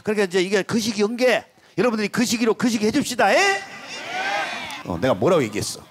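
A man's voice: sits high, quick pace, noisy background. A middle-aged man hosting a singing contest on an open-air stage into a handheld mic, teasing and bantering. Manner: teasing, animated. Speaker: host of a televised singing contest. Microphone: handheld microphone.

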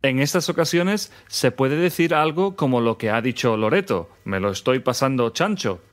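A man from Spain with a Spanish accent, hosting a scripted podcast lesson segment and repeating phrases clearly for learners. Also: medium pitch, lively intonation, faint music behind. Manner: clear, measured delivery with phrase repetition. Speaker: co-host teaching Spanish phrases.

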